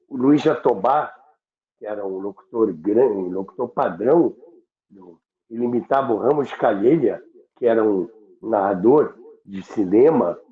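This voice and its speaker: Older Rio man, roomy phone-like sound. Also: on the low side. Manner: halting, repeats words, unhurried. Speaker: radio veteran and program host. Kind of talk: reminiscing conversation about radio history.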